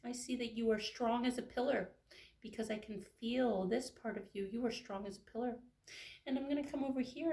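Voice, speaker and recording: A woman voicing a timid but wise little white mouse in a storybook tale, speaking softly and carefully. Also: medium pitch, reverberant, close to an everyday voice.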